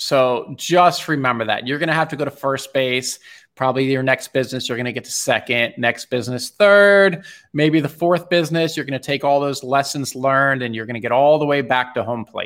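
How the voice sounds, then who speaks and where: Speaking at a fairly quick pace, a man uses a plain, everyday voice with fairly high pitch and ordinary pitch variation. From US Mid-Atlantic, Bethesda, Maryland. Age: young. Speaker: entrepreneur. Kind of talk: interview.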